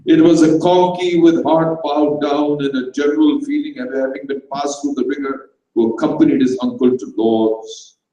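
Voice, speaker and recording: Male story reader, theatrical and measured, slightly high voice with a mellow tone, distant in a reverberant room. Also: steady tone, lo-fi sound. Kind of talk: dramatised comic short story reading for an audience. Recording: very echoey room, distant microphone.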